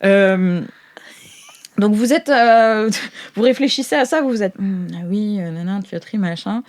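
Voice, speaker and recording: A woman's voice: mid-range voice, measured pace, a little mellow. A woman improvising tabletop game narration as game master, casual and searching for her words.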